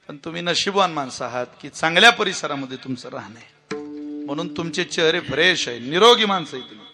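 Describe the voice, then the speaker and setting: A man's voice: a little high, sharp tone. A male preacher giving a comic devotional kirtan, telling funny stories and chanting verses. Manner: storytelling with jokes and chanted verses.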